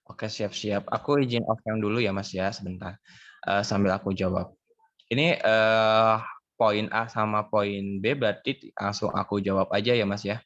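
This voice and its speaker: A man's voice: fairly low pitch, moderate pace, no room sound. A young man with a slight Sundanese accent, a hospital billing staffer explaining his job casually on a video call with many fillers. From West Java. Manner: relaxed, informal, frequent fillers. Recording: dull, muffled video call audio.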